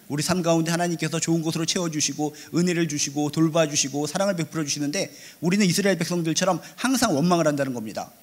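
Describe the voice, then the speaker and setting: A man preaching a sermon as pastor, fervent and emphatic, repeating key phrases and rising loud to stress a point. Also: on the high side.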